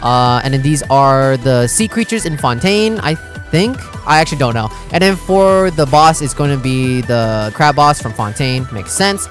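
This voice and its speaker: A man's voice: medium pitch, animated, normal speed. A man giving casual reaction commentary on a game, slangy and full of exclamations. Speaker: reaction video host. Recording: music behind the voice. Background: game video music.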